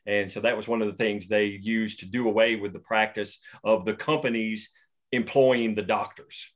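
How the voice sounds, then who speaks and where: A man with a steady, low-leaning voice speaks at normal speed. As writer and host of a script table read, he casually explains the story and its history, restarting his sentences many times.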